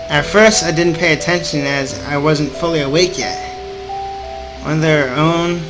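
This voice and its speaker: This let's player's voice sits on the high side with a fairly bright tone. Narrating gameplay, he reads the visual novel text aloud, stumbling occasionally over words and tossing in playful reactions.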